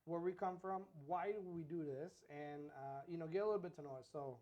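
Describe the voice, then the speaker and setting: A man co-hosting a casual podcast as a real estate agent, relaxed and chatty with many fillers. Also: fairly high pitch, brisk, lo-fi sound. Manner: relaxed, repeats himself, filler-heavy.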